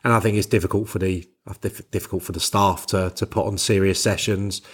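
Male ex-player pundit, lower register, measured and informal sports analysis. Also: steady tone, slightly rough. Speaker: former player turned football pundit. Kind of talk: casual football analysis.

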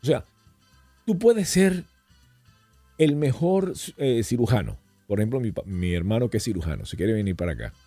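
A middle-aged man speaks as a podcast guest, casual and full of stories, his low voice rising and falling a lot as he slips into quick impressions. The tone is dark and mellow with a husky edge, recorded dry and close with a little music underneath. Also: no room sound. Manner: animated storyteller who slips into voices and accents. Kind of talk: casual conversational storytelling.

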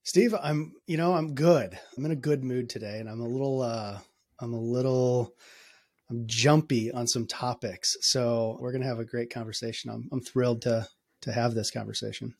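Halting, energetic male podcast guest. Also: mid-range voice. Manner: halting, many restarts and fillers, energetic. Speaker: podcast guest, company founder. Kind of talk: conversational podcast interview.

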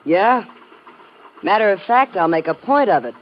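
An actress playing a worldly, brassy American riverboat singer in a 1950s radio drama, slangy, wry and streetwise. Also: female voice, medium pitch, expressive, normal speed, close to an everyday voice. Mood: flirty. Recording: muffled, hissy old radio recording.

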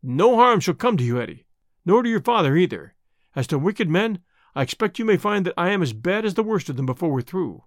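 A man's voice: high voice, sing-song, a little fast, dry recording, clean studio sound. A man voicing a bold, protective young man with a firm, challenging and somewhat bitter manner in an audiobook. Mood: firm, reassuring. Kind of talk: audiobook character acting.

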